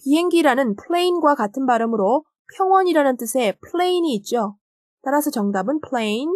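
A woman teaching a recorded English vocabulary lesson who reads example sentences slowly and carefully. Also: high voice, lively intonation, darkish tone, no echo, studio quality. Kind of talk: recorded grammar lecture.

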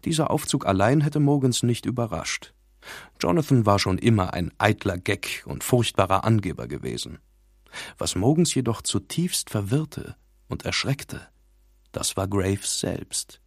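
A man reading an audiobook in a measured, dramatic scripted narration, recorded in a studio. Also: on the low side, big pitch swings, dry recording.

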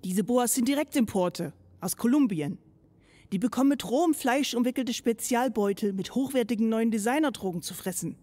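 An actress playing a no-nonsense female police officer in a radio play, brisk and official. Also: fairly high pitch, warm tone, dry recording, lightly acted. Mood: official, explaining.

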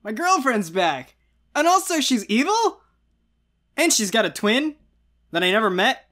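A man's voice: very high voice, very animated, measured pace, pushed and bright. A young man hosting a reaction video in casual commentary, with incredulous exclamatory asides. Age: young adult. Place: small lamp-lit home room, indoors.

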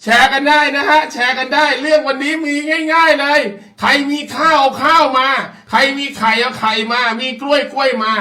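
Male host, high bright voice, playful and teasing, roomy distant sound. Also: normal speed, hardly any pauses. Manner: playful, teasing, laughing along. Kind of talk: casual talk show chat.

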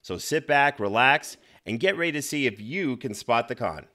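A man's voice: medium pitch, expressive, moderate pace, sharp tone. A man reading scripted promotional narration as host and announcer, polished and upbeat.

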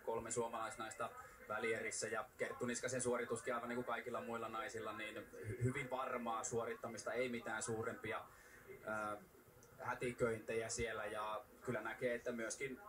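A man giving measured expert analysis as co-commentator on a ski race. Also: medium pitch, level tone, a crowd in the background. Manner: measured, explanatory. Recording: distant, noisy TV broadcast capture.

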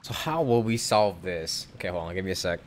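A man's voice: sits low, expressive, a little fast, a little hiss or hum. A man giving casual, offhand and jokey live commentary while streaming a game.

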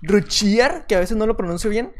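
Mexican guy narrating his game, keeps repeating stuff, yells when it gets wild. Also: high voice, moderate pace. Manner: chatty, repeats short phrases over and over; bursts into loud excited yelling. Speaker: gaming channel host. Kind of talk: casual gameplay commentary.

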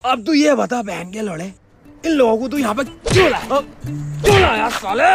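A hot-tempered tough village man, voiced by a man in a comic dub, pitched very high. He speaks bluntly and threatens freely. Clear music runs underneath. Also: lively intonation, moderate pace. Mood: menacing. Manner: blunt, threatening, calls out often.

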